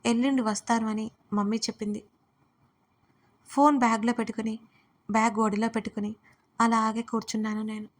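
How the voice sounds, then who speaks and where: A woman's voice: a little high, moderate pace, long pauses. A young woman narrating a first-person audio story expressively. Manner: expressive, pleading in dialogue.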